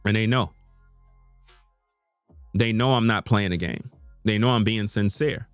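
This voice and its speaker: This is a man's fairly low, smooth voice, a little slow, in a dry recording with faint music behind it. He's a YouTube content creator live streaming unscripted to his viewers from his home computer, earnest, repetitive and full of informal slang.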